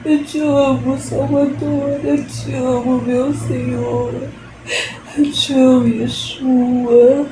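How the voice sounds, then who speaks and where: Tearful, slow-speaking woman in a roomy space. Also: sits high, little pitch movement. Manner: tearful, laughing through tears, repeats phrases. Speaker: artist sharing her faith. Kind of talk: emotional devotional vlog. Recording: roomy echo with faint background noise.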